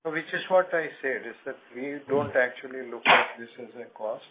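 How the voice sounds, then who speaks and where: A man's voice: mid-range voice, normal speed. A man speaking as a senior company executive, making formal business remarks on a conference call. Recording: narrowband phone line with clicks and noise.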